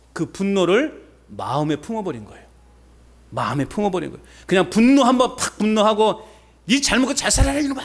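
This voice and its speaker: A male pastor preaches with a high-pitched voice that swoops up and down with lively energy. He speaks conversationally, fires rhetorical questions at his congregation and presses each point home with emphasis. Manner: conversational preaching with personal anecdotes. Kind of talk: sermon. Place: church service.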